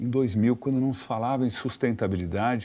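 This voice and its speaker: At a moderate pace, a man speaks in a plain, everyday voice with ordinary pitch variation on a very clean recording with a silent background. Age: 60s. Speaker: advertising executive. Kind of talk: interview.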